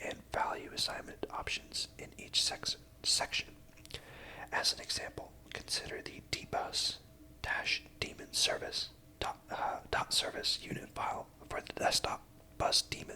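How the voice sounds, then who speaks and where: Noticeable background noise fills the recording. A man is whispering at a fairly slow pace. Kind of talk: ASMR book reading, whispered. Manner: whispered.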